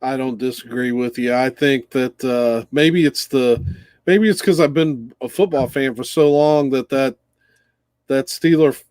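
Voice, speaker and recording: A man's voice: mid-range voice, a little slow, darkish tone, clear, resonant tone, no echo. A man co-hosting a casual football picks show, hesitant and easygoing, often chuckling. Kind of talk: casual sports chat.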